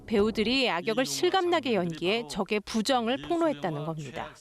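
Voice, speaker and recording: Animated woman narrating a news magazine. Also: on the high side, a little fast, a crowd in the background. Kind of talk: scripted narration.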